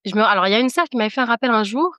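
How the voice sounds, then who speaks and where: Woman podcast guest, kinda high voice, earnest n emphatic, repeats herself, really dry close sound. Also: animated, rapid-fire, a bit bright, no echo. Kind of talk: personal testimony in casual conversation.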